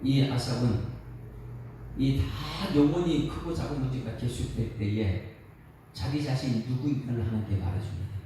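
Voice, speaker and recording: A man's voice: mid-range voice, moderate pace, mellow, slight background noise. A male pastor preaching an emphatic dawn sermon, asking the congregation questions and at times breaking into song. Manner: emphatic, rhetorical questions to the congregation, sings a line. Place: church sanctuary. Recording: echoey church hall from a distance, faint ambience.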